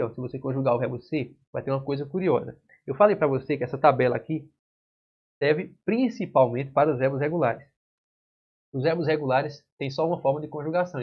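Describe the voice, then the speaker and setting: Male Brazilian prep teacher, mid-pitched and husky, keeps asking "right?" as he explains. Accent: Brazilian Portuguese. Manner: explains step by step with frequent "certo?" and "né?" checks. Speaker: exam-prep Portuguese teacher. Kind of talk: whiteboard grammar lesson. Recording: dull lo-fi classroom recording.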